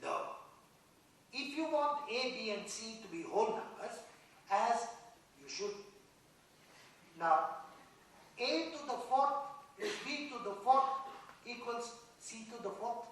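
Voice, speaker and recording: A man acting a vain, teasing dead mathematician in a dramatised play reading, lecturing theatrically with pauses. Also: extremely high pitch, lively intonation, a bit bright, heavily acted. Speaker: stage actor. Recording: echoey hall, distant mic, faint noise.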